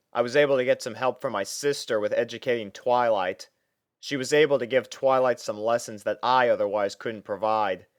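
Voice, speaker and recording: A man giving an expressive, dramatic first-person reading of a story as an exasperated student. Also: medium pitch, smooth, dry recording, studio quality. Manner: expressive, theatrical delivery with sighs. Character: exasperated young male student narrating his life with a roommate. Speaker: fan fiction reader.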